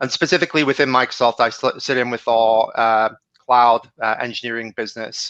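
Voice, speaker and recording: With an American accent, a man speaks at a medium pitch and a fairly quick pace, his intonation fairly even against a quiet background. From England. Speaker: tech company manager. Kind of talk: interview. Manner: hesitant, many fillers.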